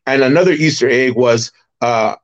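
A middle-aged man from Barbados, a former wrestler and promoter, recalling his career in an animated, detailed way as a podcast guest. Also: mid-range voice, normal speed, highs cut off. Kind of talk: casual interview storytelling.

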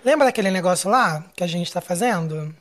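A woman's voice: fairly low pitch, expressive, fairly quick. A Brazilian woman, a guest singer, chatting casually and playfully, slipping into mock Spanish jokes. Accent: Brazilian Portuguese. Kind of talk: casual chat.

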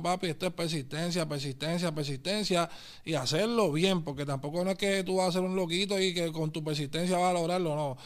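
A man with a Puerto Rican accent, talking in fast, animated street slang as a guest in a casual interview. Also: fairly high pitch. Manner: fast, animated street slang, calls listener papi and brother. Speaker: guest artist.

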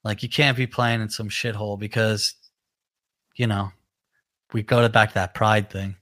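A musician co-hosting a live stream chats casually in a man's somewhat low, nasal voice that sounds a bit bright. His intonation stays fairly even and his speed is normal as he rambles in a laid-back way, dropping in plenty of fillers.

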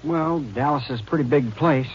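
A man's voice: medium pitch, moderate pace, close to an everyday voice. An actor playing a nervous, evasive young man in a 1950s radio drama, defensive and hesitant. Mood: defensive, uneasy. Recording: muffled, very noisy old radio recording.

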